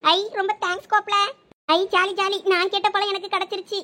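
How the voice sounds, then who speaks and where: A bubbly young cartoon wife, voiced by a woman, chatters in a very high, rapid voice with a Thoothukudi Tamil accent. She is playful and affectionate and exclaims often. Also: little pitch movement, sharp tone. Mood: delighted. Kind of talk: cartoon voice acting.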